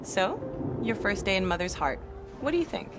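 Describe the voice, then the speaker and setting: An actress playing a calm, welcoming tribal woman in a video game, gentle and reassuring. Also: medium pitch, normal speed, music in the background, lightly acted. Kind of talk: video game cutscene acting.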